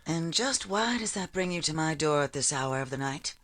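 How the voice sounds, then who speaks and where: Woman acting a bright, edgy noir dame. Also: deep voice, expressive, moderate pace. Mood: guarded, curt. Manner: curt, guarded, snappy. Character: tense, defiant young noir dame guarding a secret. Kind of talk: 1940s radio drama acting.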